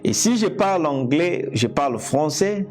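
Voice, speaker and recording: A man from Congo whose first language is Lingala, preaching a teaching sermon in a slow, deliberate way, repeating and restarting phrases. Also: on the high side, big pitch swings, darkish tone, faint music behind. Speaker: evangelist preacher. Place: indoors, seated.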